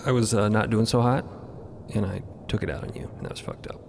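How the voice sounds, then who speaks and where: A man voicing a gruff, short-tempered woman on a ship's crew in audio fiction, with blunt, halting delivery. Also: fairly low pitch, background noise, voice pushed down. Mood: awkward, apologetic.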